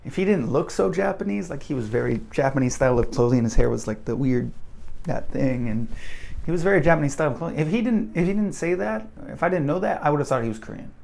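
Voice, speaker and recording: Animated gravelly man. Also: fairly high pitch, quick pace. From United States. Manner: animated, rambling, many restarts and fillers. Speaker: language vlogger. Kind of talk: casual monologue to camera.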